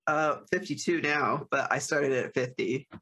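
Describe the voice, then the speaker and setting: A man in his fifties co-hosting, polite and animated, laughing easily. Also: a little high, unhurried. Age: 50s. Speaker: co-host. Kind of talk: casual podcast hosting.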